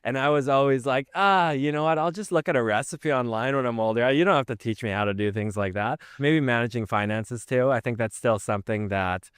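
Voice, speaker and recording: A man's voice: medium pitch, brisk, hardly any pauses, clear, resonant tone, no echo, clean studio sound. A man in his twenties, a law student, giving reflective, rambling answers. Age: 20s.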